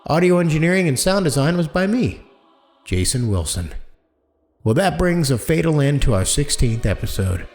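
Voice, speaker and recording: A man's voice: fairly high pitch, very animated, normal speed, a little mellow. A man reading a scripted podcast outro as the show's host, with credits and thanks to listeners.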